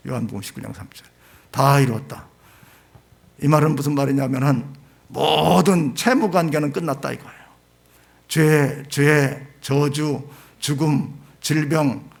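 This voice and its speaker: Male pastor, slightly high-pitched and gravelly, emphatic sermon delivery with stressed phrases that fall away low. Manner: emphatic, rising to drawn-out stressed phrases then dropping low. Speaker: pastor preaching.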